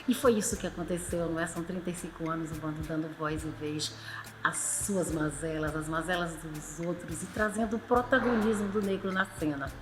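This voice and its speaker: A woman's voice: deep voice, brisk, background noise. A middle-aged woman, giving personal testimony as an actress in a documentary. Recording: music behind the voice.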